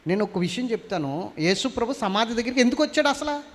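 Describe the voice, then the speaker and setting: A man's voice: very high voice, animated, fast talker, fairly bright tone. Guy pastor preaching in a church, keeps asking the crowd stuff, gets fired up, lots of hall echo. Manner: questions the congregation constantly, rising to fervent emphasis. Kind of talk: sermon.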